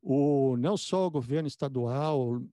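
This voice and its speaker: A man hosting a casual conversational interview, speaking haltingly and often repeating words as he goes. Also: medium pitch, warm tone, no echo, studio quality. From born in the United States.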